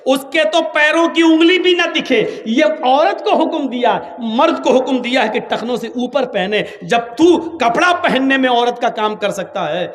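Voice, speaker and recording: A man preaching a sermon, telling stories and jumping from quiet asides to shouting. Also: very high voice, in a large hall. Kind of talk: Urdu sermon with acted storytelling.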